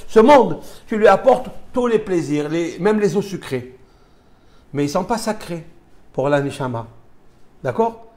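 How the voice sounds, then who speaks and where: A male rabbi gives a live lesson in a fairly high voice that swoops up and down with great energy. He drives his points home with emphatic rhetorical questions and mixes Hebrew terms into his teaching. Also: expressive, measured pace, long pauses, darkish tone. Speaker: rabbi teaching a Torah class. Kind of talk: live religious lesson to students.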